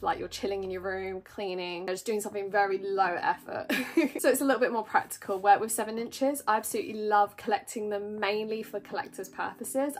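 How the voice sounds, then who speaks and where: A young woman vlogging in a bubbly, chatty way, her voice a little croaky from a cough and often broken by laughs. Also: fairly high pitch. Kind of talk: casual chatty vlog.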